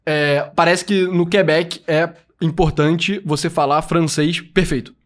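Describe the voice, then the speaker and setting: A man's voice: on the high side, fairly even intonation, measured pace. A man co-hosting a podcast, explaining political news in a loose, joking manner. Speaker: podcast co-host. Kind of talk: casual political chat.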